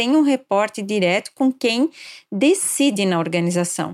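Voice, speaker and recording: At a moderate pace, a woman with a plain, everyday voice speaks with lively intonation and a fairly high pitch, in a very clean recording with a silent background and a dry, close sound with no echo. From southern Brazil, Blumenau (Santa Catarina). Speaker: communication consultant and journalist. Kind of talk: interview.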